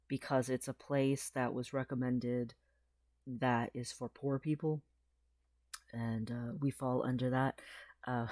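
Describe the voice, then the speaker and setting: A slightly mellow, mid-range male voice, recorded with no room sound, belongs to a trans man vlogging a casual video diary. His talk is rambling and full of fillers, broken up by frequent laughter and the occasional crack in his voice.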